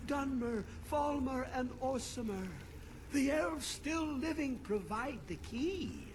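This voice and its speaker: High-pitched mad old scholar. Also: male voice, noisy background, full character voice. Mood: feverish scheming. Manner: rambling, rapturous, cryptic, oddly poetic phrasing. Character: mad, obsessed old male scholar of forbidden lore. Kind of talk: theatrical fantasy game acting.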